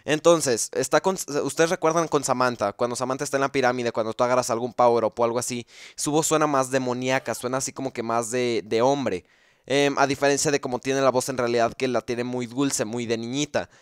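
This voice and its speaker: A man talks through a video game theory in a loose, explanatory way, pausing on fillers and restarting his sentences. His voice is smooth and clear and sits at an ordinary pitch. It is recorded dry and close, with no room sound. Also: fairly even intonation, dry recording. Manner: thinks aloud, with frequent fillers and restarts. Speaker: gaming YouTuber explaining game lore. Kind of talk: casual explanatory commentary.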